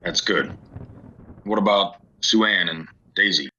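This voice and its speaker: A slightly muffled recording of a western audio play. A man acts out a weary, guarded gunslinger with a very low, husky voice and a tense, forceful edge. He speaks haltingly, as a loner would. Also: exaggerated voice. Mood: terse. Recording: dull lo-fi home recording.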